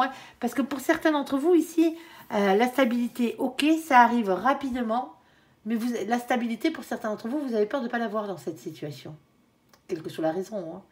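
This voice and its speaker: A woman's voice: fairly high pitch, a little mellow. A woman with a stuffy, nasal voice, coming down with a cold, giving a casual tarot reading to camera and tagging nearly every phrase with a little filler. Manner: chatty, ends nearly every phrase with "hein". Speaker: tarot card reader.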